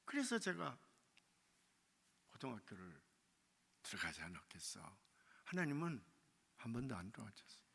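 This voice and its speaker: A man preaching a revival sermon in a church, telling a story and acting out its dialogue, sometimes shouting and crying out the lines. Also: medium pitch, sing-song, moderate pace, vocal fry, long pauses, slight background noise. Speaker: pastor. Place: church sanctuary. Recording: church hall reverb.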